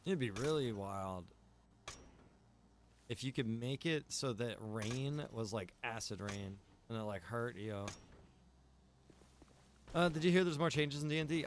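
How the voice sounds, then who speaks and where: A man talks off the cuff to a live stream while gaming, in a medium-pitched voice. His delivery is casual and meandering, as if thinking out loud. Clear background noise and game ambience sit behind him.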